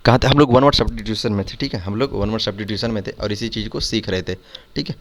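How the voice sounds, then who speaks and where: A lower-voiced man runs through English words for exam students, asking a question about each word and answering it himself. He talks quickly, and his voice sounds close and dry, with no room echo. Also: fairly even intonation. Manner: explains words with repeated quiz questions. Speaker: English teacher for exam prep. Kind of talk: Hindi vocabulary lesson over screen.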